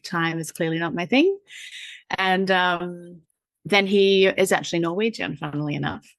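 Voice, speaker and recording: A woman's voice: on the low side, moderate pace, vocal fry, dry recording. A woman, a guest chatting casually, rambling and laughing, with lots of fillers and the odd swear. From New Zealand. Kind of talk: casual conversational interview.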